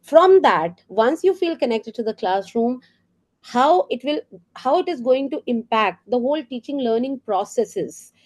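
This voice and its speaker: A middle-aged woman with an Indian English accent talks teachers through classroom ideas, her voice sitting a little high. She explains earnestly, checks in with rhetorical questions and fills pauses with small ums and uhs. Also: expressive, darkish tone. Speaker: teacher trainer. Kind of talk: professional development talk for teachers.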